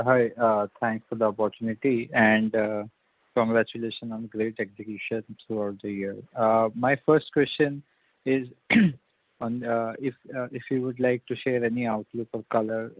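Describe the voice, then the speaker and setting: Male analyst, fairly flat delivery, polite question on an earnings call, phone line audio. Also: mid-range voice, normal speed, no room sound. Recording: narrow, dry phone line.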